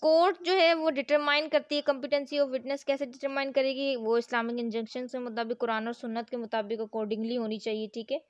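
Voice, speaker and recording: A woman's voice: sits high, little pitch movement, moderate pace, few pauses, clean tone, dry recording, lo-fi sound. A woman with a South Asian accent giving an explanatory law lesson, reading formal text aloud and rephrasing key points in a didactic way. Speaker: law lecturer.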